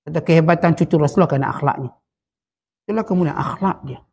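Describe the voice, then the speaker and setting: A man's voice: on the high side, quick pace, vocal fry, darkish tone, a little hiss or hum. A man with a Malaysian Malay accent teaching a Sufi text, telling stories and acting out quotes with rising emphasis. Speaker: religious teacher. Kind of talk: Sufi study-circle lecture.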